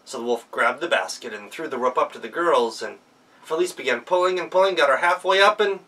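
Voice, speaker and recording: A man telling a folktale as an animated storyteller, recorded at some distance from the microphone. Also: on the high side, a little fast.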